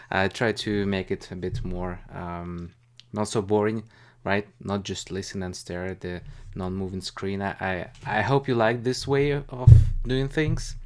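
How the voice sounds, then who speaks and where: Hosting a live stream, a low-pitched man chats about investing in a loose, rambling way, sounding casual and a little hesitant.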